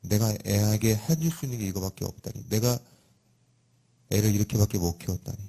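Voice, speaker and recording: A middle-aged man preaches a sermon in a fairly low, husky voice. He tells a personal story in a lively way. His voice often leaps up high and loud for emphasis. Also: a little fast. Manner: animated storytelling with sudden loud emphatic rises. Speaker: pastor.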